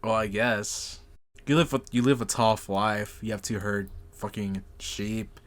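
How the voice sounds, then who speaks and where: A man co-hosting a podcast in casual chat, excitable and sarcastic, swearing freely. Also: lowish voice, unhurried. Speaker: podcast co-host.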